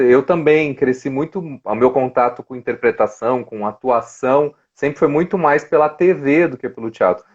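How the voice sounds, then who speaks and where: A man hosting a casual interview, encouraging and quick to affirm his guest. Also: a little high. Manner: encouraging, with frequent short affirmations. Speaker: host. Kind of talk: casual interview on a live stream. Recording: dull lo-fi live stream audio.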